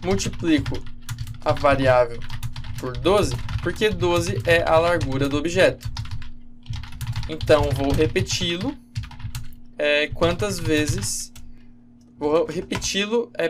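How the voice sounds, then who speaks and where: A man giving a casual, halting screen-recorded programming lesson, with many fillers and self-corrections. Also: fairly high pitch, a little hiss or hum. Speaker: game development instructor.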